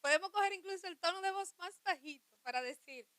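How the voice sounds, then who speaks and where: Bright-voiced woman on Christian radio. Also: extremely high pitch, fast talker, no echo. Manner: chatty, reflective, laughs often. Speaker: radio show co-host.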